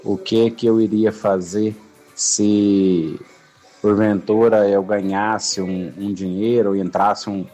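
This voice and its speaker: A man's voice: fairly low pitch, flat delivery, slow pace, mellow, soft background music, rough recording. A man calling in to a radio show, hesitant and searching for words. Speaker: radio caller. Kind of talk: casual phone-in chat.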